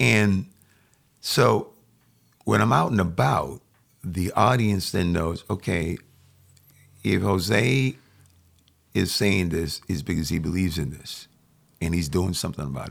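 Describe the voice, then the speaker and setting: Long, frequent pauses break up a man's very deep, low voice, which has vocal fry and lively intonation at a moderate pace. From Puerto Rico. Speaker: radio host. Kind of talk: interview.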